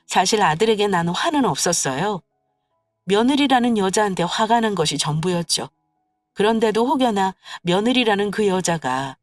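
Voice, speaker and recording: A woman narrating a scripted story in a plaintive, measured way. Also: medium pitch, no room sound, studio quality.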